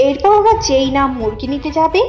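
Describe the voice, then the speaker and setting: High voiced lady reading a cartoon story narration, bit of music behind. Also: sing-song, a little fast, mellow, muffled recording.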